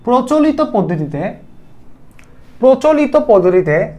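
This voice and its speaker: A man with a very high, warm voice and big swings in pitch teaches chemistry slowly in a video lecture. He has a Bangladeshi Bengali accent, repeats the key terms, and quizzes the viewer.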